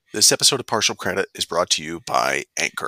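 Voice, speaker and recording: A man talks at a moderate pace with vocal fry and a bright, sharp tone. The sound is dry and close, with no echo. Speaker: podcast co-host reading sponsor ad. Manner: casual, playful ad read.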